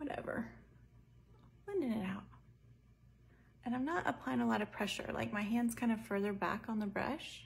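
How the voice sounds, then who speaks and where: A woman's somewhat breathy voice sits at a fairly high pitch. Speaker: makeup tutorial creator. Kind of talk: tutorial. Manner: casual, chatty.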